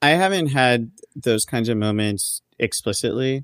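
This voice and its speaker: A man at a fairly slow pace, dry and close with no echo, on a very clean recording with a silent background. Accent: Californian. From Southern California. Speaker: software engineer. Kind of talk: interview. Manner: casual with repetitions.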